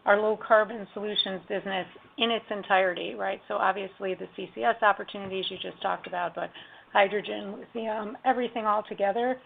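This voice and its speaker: Woman, gravelly fry, corporate call, phone-like audio with faint noise. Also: mid-range voice, steady tone, a little fast. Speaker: company executive. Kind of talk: answering on a corporate earnings call.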